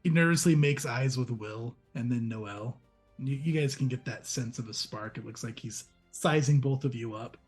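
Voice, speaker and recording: A man's voice: medium pitch, normal speed, faint music behind. A man narrating a tabletop role-playing game as game master, in a casual, descriptive way.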